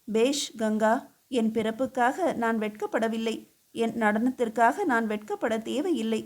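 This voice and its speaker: Woman voicing a proud fiery young dancer girl, higher pitched, storybook reading. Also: close to an everyday voice.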